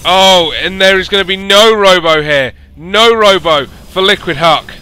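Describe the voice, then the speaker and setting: A man, hoarse from losing his voice, hosting and commentating a strategy game by himself and rising to excited announcing at big moments. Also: high voice, measured pace. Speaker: esports caster and show host.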